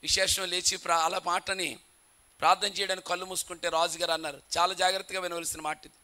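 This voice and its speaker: A man's voice: high voice, flat delivery, fast, sharp tone. A male pastor preaching a sermon in a dramatic storytelling manner.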